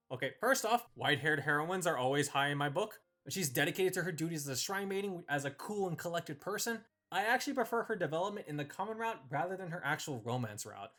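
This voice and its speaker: Man, fairly high pitch, highly varied intonation, opinionated, emphatic, scripted ranking commentary, video host. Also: fairly bright tone. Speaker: host ranking visual novel characters.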